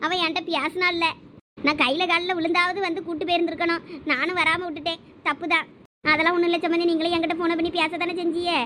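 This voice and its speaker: A rapid-talking woman with a high, fairly bright voice performs a village family comedy skit, taking on several village women. A little hiss or hum sits under her pleading, emotional, quarrel-style delivery.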